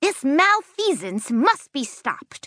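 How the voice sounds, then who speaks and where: A put-on character voice, squeaky and growling, with very wide pitch swings, a fairly slow pace and a dry, close sound with no echo. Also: woman, high pitch for a woman. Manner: heroic, dramatic.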